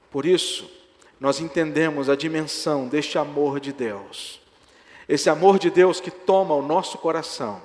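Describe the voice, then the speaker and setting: A male pastor preaching a sermon, telling a story with lively acted-out dialogue. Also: mid-range voice. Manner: animated, acts out dialogue in his stories. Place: church sanctuary. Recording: reverberant church hall.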